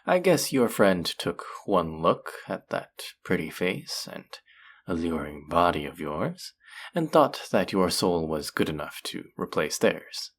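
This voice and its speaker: Man acting a teasing, possessive demon, slow and gravelly. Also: low voice, big pitch swings, a bit bright, exaggerated voice. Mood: flirty, taunting. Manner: teasing, taunting, seductive, drawn-out phrasing. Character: flirty, possessive male demon working in an underworld casino. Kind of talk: scripted roleplay audio drama addressed to the listener.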